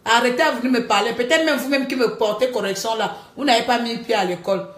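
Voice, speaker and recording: A high-pitched woman rants on a live stream, switching between scolding and joking. Her voice rings in an echoey room. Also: fast. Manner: animated, scolding and joking by turns. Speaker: livestreamer.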